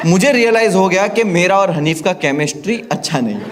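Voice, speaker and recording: A young man performs stand-up comedy, telling an animated story and acting out his friends' voices. His voice sits high. It is a live show recording, with a loud crowd and plenty of background noise. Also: a little fast. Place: stage before a live audience. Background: audience laughter.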